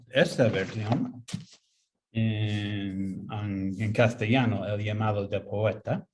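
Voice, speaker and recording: Male author on a video call, English native, halting and slow, full of ums. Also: mid-range voice, darkish tone. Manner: hesitant, many fillers and restarts. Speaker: author presenting his book. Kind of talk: casual virtual presentation.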